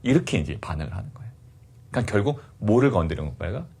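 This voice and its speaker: A man's voice: on the low side, sing-song, rapid-fire, mellow, breathy edge. A male pastor preaching at an early-morning prayer meeting, asking rhetorical questions and acting out the indignant voices of his listeners.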